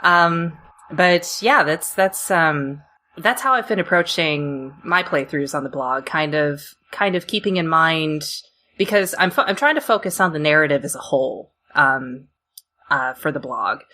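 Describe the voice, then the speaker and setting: Casting: woman, twenties, podcast panelist, very deep for a female voice, bright edge, casual halting delivery. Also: animated, slight background noise. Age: 20s. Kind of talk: casual chat.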